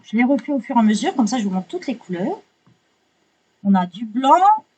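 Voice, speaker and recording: A woman chatting casually while unboxing art supplies, excitable, swearing lightly and apologizing often. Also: a little high, moderate pace, husky, poor audio.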